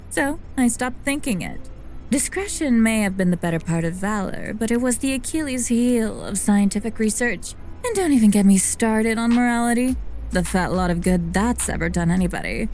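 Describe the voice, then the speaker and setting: A woman's voice: mid-range voice, darkish tone. A woman playing a ruthless, witty lead scientist in an audio drama, dry, imperious and formally spoken. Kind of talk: first-person audio drama narration and dialogue.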